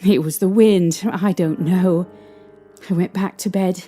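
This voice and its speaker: A woman playing a young mother shaken by strange happenings, recalling them in a halting, hesitant way. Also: lowish voice, fairly even intonation, warm tone, natural voice. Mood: uneasy. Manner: hesitant, halting recollection with restarts. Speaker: interviewee recounting events. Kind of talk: fan audio drama acting. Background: faint music.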